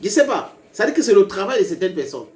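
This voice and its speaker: Emphatic commentator, echoey room. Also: male voice, high-pitched, very animated, fast. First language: English. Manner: emphatic, rising to heated bursts, addresses viewers directly. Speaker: online political commentator. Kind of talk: video commentary to viewers. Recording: roomy echo with faint ambience.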